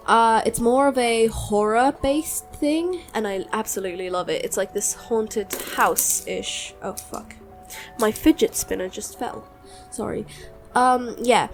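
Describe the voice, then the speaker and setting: A woman who is sick, chatting informally and enthusiastically in a rambling, halting way, as if on a solo podcast. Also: fairly high pitch, soft background music. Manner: hesitant, halting, rambling delivery; informal, enthusiastic, mild swearing. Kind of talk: casual rambling chat.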